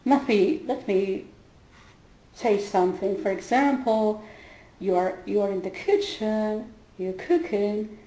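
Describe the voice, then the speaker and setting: A woman whose first language is not English, retelling a conversation in a halting way with many fillers and restarts and frequent laughter. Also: mid-range voice, expressive, dark tone. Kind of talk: casual spoken retelling. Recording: roomy echo.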